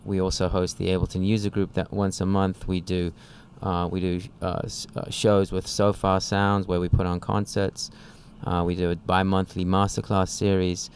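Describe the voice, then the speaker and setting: A man's voice: sits low, a little hiss or hum. A man who co-founded a music school, talking casually on a podcast and explaining things in long, flowing sentences.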